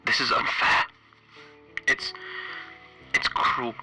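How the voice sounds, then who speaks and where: A man playing a weary, guilt-ridden stranded flight engineer, recording a halting, hesitant horror roleplay log with a radio-like sound. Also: pushed and bright. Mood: distraught. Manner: halting, hesitant, self-questioning. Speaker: solo tabletop RPG player. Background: music.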